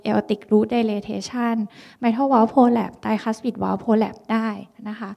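A woman physician lectures on skin signs of heart disease, explaining each point patiently. Her voice sits a little high and has a gravelly edge. She scatters English medical terms through her talk. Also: fairly even intonation, drawn-out words, muffled recording. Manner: explanatory, mixes English medical terms, frequent polite particles. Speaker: dermatology lecturer.

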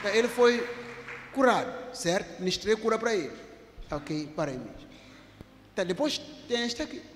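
High-voiced preacher man in echoey hall. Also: animated, moderate pace, a faint crowd. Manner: emphatic, repetitive, rising to shouts. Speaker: apostle preacher. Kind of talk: sermon with live healing demonstration. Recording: echoey hall with faint noise.

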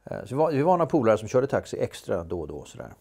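An actor being interviewed tells stories casually in a voice on the low side that is sing-song, gravelly, darkish, and slightly rough. He hesitates a lot, with frequent fillers and restarts.

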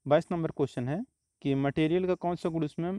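A man walks through exam questions one by one, repeating each answer in a steady teaching manner. His voice is mellow and smooth, a little higher than most men's. The recording is close and dry. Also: fairly quick, no echo. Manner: steady explanatory, repeats answers, frequent "तो देखिए" and "आपका". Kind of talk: explaining exam questions over slides.

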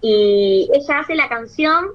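An Argentine woman with a high voice tells stories in a casual interview. She is animated and slips into the voices of the people she describes. The recording sounds slightly dull and lo-fi. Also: slow, dry recording. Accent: Argentine Rioplatense. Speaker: children's singer, guest.

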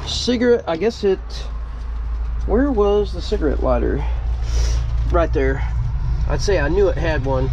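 A man's voice: a little high, darkish tone. A man in his forties with a congested, stuffy voice, chatting casually and rambling as he walks around, filmed outdoors on an action camera held at arm's length. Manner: rambling, chatty, self-deprecating. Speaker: channel host. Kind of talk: casual walkaround vlog. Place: outdoor tractor dealer lot. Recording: slightly dull lo-fi sound, faint outdoor noise.

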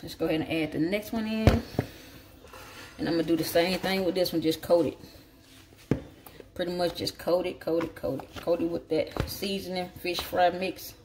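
A woman's voice: lowish voice, steady tone, normal speed. A woman with a Southern African American accent chats casually and folksily, thinking aloud as she cooks in a home kitchen. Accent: Southern African American English. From southern United States. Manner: folksy, salty, thinking aloud while working. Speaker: home cook. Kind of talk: casual cooking vlog chat. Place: home kitchen, indoors at the counter. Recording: noisy home recording with clicks.

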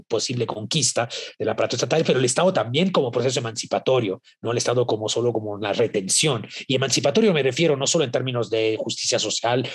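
A man in his fifties, from Italy with a Mexican Spanish accent, giving an animated academic talk over a video call from his home study, full of fillers and restarts. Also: mid-range voice, breathy edge. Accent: Mexican Spanish over an Italian base. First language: Italian. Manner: animated, gestures a lot, many fillers and restarts. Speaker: invited lecturer. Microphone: webcam on a video call.

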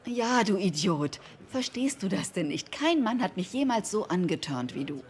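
Lively, bossy sitcom girlfriend. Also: mid-range voice, moderate pace. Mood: exasperated. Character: sharp-tongued, bossy, suspicious girlfriend in a sitcom. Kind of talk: German-dubbed sitcom acting.

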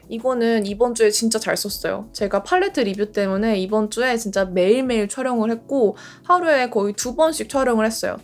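A woman in her late twenties chatting casually in a skincare vlog, gushing about products as she applies them. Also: mid-range voice. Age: late 20s. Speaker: beauty creator. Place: bedroom in front of a door.

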